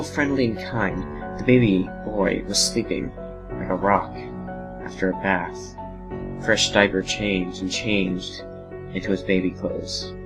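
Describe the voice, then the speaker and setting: A man reading scripted horror narration as the storyteller of an audio drama. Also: on the low side.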